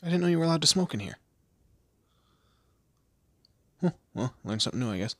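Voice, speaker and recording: A man playing a weary, wry kidnapped guy in a roleplay audio drama, speaking haltingly and conversationally. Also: fairly high pitch, lively intonation, fairly bright tone, no echo. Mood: hesitant, curious. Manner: hesitant, halting, sardonic.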